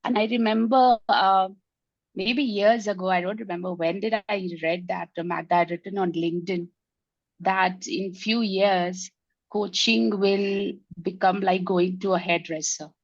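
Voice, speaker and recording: A hoarse woman joining an online meeting to share grateful, reflective thoughts, with many fillers. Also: medium pitch, fairly even intonation, a little slow, no room sound. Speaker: meeting participant. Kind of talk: casual online meeting chat. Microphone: video call. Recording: slightly dull call audio.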